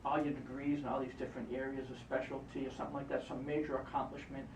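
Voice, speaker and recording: Fast-talking man coaching in a roomy hall. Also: medium pitch, level tone, noisy background. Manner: coaching, repetitive, encouraging. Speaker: hypnotist. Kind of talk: guiding a live NLP exercise. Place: event room. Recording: roomy, distant, muffled live event recording.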